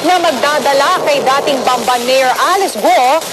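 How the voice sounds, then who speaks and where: A woman's voice: sits high, normal speed, background noise. A woman with a Filipino accent anchoring a broadcast newscast in a projected reading style. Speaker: news anchor. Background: loud news theme music.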